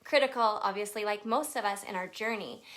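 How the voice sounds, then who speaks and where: A woman's voice: mid-range voice, a little fast, fairly bright tone. A young woman from Texas telling her life story on a casual live video, chatty and full of fillers, greeting viewers as they join. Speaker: makeup brand artist hosting a live video.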